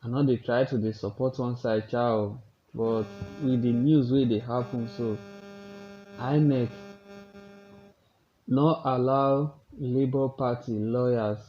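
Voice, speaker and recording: A man's voice: mid-range voice, steady tone, takes it slowly, muffled recording, a little hiss or hum. A man with a Nigerian accent gives informal news commentary in Nigerian Pidgin.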